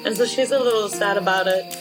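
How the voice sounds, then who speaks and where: A woman tells an improvised tabletop story with clear music underneath. She is casual and giggly, rambling along and padding her phrases with "like". Her pitch sits in the middle for a woman. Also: quick pace, rough recording. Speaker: tabletop role-playing player. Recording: music playing behind the voice.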